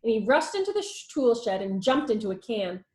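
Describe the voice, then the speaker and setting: A woman's voice: fairly high pitch, big pitch swings, brisk. A woman teacher reading a children's storybook aloud expressively, with little asides about the pictures. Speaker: schoolteacher reading to her class.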